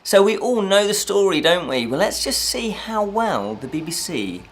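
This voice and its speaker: A man hosting a fantasy review show, talking in an animated, chatty way with frequent self-corrections and rhetorical asides. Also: high-pitched, moderate pace, breathy edge. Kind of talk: chatty unscripted review to listeners.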